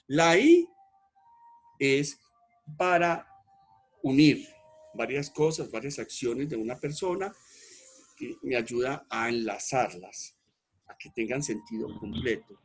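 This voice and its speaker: A man's voice: mid-range voice, takes it slowly, slightly rough, faint music behind. A man teaching an online grammar class, stressing key words, repeating himself and checking that the students follow.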